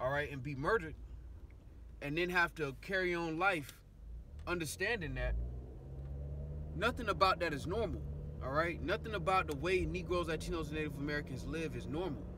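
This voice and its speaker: A man speaks at a fairly quick pace. The sound is dry with no echo, over noticeable background noise. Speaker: religious commentator. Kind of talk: sermon-like vlog commentary. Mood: earnest, preaching. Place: car. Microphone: phone near.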